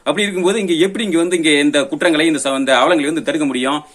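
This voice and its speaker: In rapid-fire delivery, a man with a fairly high, fairly bright voice takes aim at a political opponent. The commentator's confrontational monologue leans on pointed questions meant to accuse.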